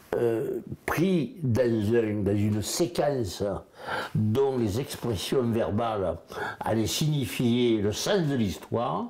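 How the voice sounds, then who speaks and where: Music plays behind a man speaking at a very slow pace. His intonation is lively. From Arles, France. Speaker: museum curator. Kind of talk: interview answer. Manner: hesitant, conversational. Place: home room.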